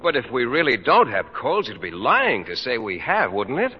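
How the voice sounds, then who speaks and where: Prim, hesitant biology teacher; lively pitch; dull lo-fi vintage broadcast. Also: male voice, moderate pace, a little hiss or hum. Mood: fretful. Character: timid, fussy middle-aged male biology teacher. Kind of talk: 1940s radio comedy acting. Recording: muffled old radio broadcast.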